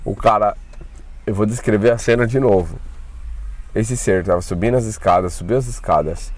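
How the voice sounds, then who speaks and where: A man with a somewhat low voice tells his own story in a loose, casual way. He is animated and colloquial, and he drops slang and curses as he goes. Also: moderate pace. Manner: colloquial and animated, with swearing and nervous laughs. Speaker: channel host telling his own spiritual experiences. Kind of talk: casual first-person storytelling.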